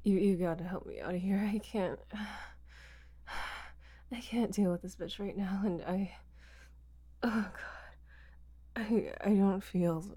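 Woman playing a husky, drugged captive woman. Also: mid-range voice, fairly even intonation, slow pace, pauses often, dark tone. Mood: desperate. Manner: breathless, stammering, sighing. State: dizzy and drugged. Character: drugged, frightened young woman captive, pleading.

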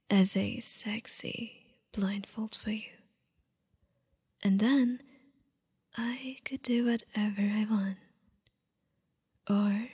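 A young woman whispers close to the microphone, her voice airy and breathy throughout. She talks slowly and intimately, doting but possessive, like a girlfriend speaking to her partner. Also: medium pitch. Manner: mostly whispering, soft and intimate. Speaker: ASMR roleplay performer. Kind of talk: whispered girlfriend roleplay, ASMR. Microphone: close mic.

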